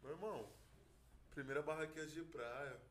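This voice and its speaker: A man telling animated, slang-filled travel stories in a casual chat. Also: on the high side, normal speed, roomy sound, slight background noise.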